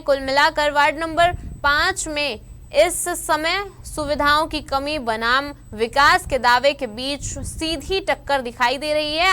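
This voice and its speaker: Woman newsreader, high voice, bright tone, formal even delivery. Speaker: news anchor. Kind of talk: scripted news reading.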